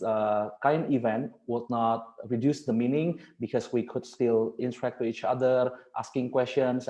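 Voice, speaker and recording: A man's voice: medium pitch, mellow. A young man from Indonesia, a native Indonesian speaker, giving an earnest, formal webinar talk in English over a video call, repeating phrases for emphasis. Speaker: guest speaker. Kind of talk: webinar presentation. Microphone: computer mic on video call.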